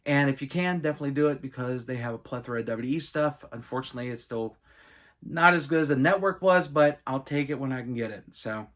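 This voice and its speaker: A middle-aged man hosting a casual Q&A video, telling stories with enthusiastic, animated asides. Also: medium pitch, quick pace. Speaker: gaming and wrestling channel host. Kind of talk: casual Q&A monologue.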